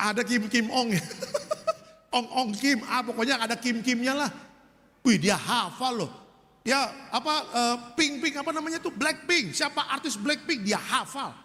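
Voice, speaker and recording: A male pastor preaching a lively, humorous sermon to a congregation, acting out voices as he tells stories. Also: very high-pitched, unhurried, pauses often, long reverb tail.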